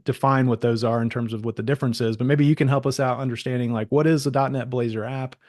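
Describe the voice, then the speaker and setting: A man's voice: mid-range voice, fairly even intonation, quick pace, a little mellow, no echo, studio quality. A man hosting a webinar fireside chat, asking informal, rambling questions in a conversational style. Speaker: webinar host. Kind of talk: casual fireside chat interview.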